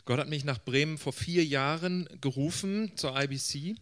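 A man's voice: fairly high pitch, moderate pace, a bit bright. A man working as a church interpreter, relaying a speaker's address informally in short consecutive phrases.

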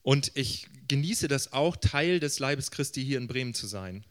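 Male interpreter for a sermon. Medium pitch, informal phrase-by-phrase delivery. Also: expressive, moderate pace, a bit bright. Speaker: church interpreter.

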